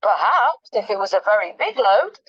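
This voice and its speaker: A woman's voice: mid-range voice, very animated, normal speed, breathy edge. A woman voicing a crafty, boastful poor woodman who talks in a sly, coaxing way. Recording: dull lo-fi recording.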